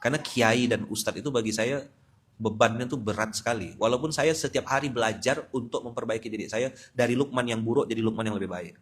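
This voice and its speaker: A man, preaching a lively, humorous sermon with sudden loud emphatic bursts. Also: medium pitch, fast, slightly rough. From West Kalimantan, Indonesia. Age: 40s. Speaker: Islamic preacher. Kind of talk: sermon at a dawn study gathering.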